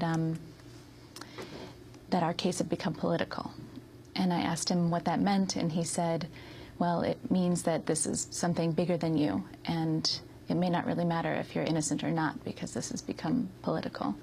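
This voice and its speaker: Low gravelly american woman in her 30s, soft and halting with lots of ums, faint hiss behind. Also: little pitch movement. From United States. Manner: hesitant, with many ums and soft laughs. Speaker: interview guest. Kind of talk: soft-spoken interview answers.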